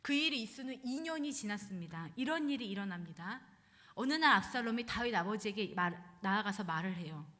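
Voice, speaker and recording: A woman pastor telling a scripture story in a dramatic, animated sermon style, recorded in a church. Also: mid-range voice, a little fast. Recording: long church hall reverb.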